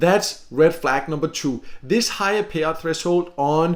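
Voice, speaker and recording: A man with a non-native accent speaks fairly slowly at a fairly high pitch. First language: not English. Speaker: online earning reviewer. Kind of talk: screen-recorded tutorial review. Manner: hesitant, many fillers and repeats.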